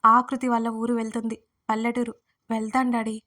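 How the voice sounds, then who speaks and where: A woman's voice: a little high, flat delivery, brisk, pushed and bright. A woman voicing a pampered young woman who pleads and sulks in an audio story. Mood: pleading. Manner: pleading, whiny.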